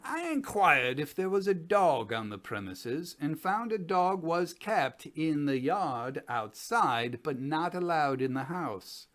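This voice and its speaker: A man in his sixties giving a measured, formal dramatic reading as the narrator of an old investigation report. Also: on the high side, very animated, fairly bright tone. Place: small home study, indoors.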